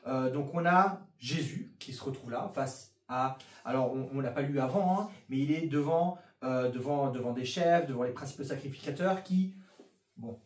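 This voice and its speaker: A man's voice: mid-range voice, moderate pace. A man hosting a casual Christian youth show, chatting with many fillers and reading Scripture aloud. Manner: animated, hesitant with many fillers. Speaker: youth ministry host. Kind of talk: casual chat and Bible reading. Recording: roomy sound from a distance.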